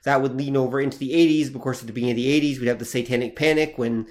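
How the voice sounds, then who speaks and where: A man's voice: mid-range voice, fairly even intonation, rapid-fire. A man co-hosting a podcast, talking loosely and steering the conversation along. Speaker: podcast co-host. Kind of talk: casual podcast discussion.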